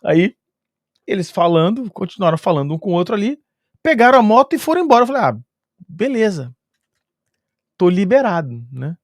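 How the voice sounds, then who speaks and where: Lively Brazilian man telling a travel story. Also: sits high, fairly quick, long pauses, dry recording, studio quality. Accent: Brazilian Portuguese. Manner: lively, chuckles often, sound-effect filler words. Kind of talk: casual spoken storytelling.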